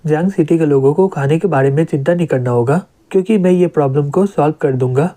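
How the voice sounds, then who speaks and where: Calm young male lord, steady, slightly high, mellow, read by a man. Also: fast, lightly acted.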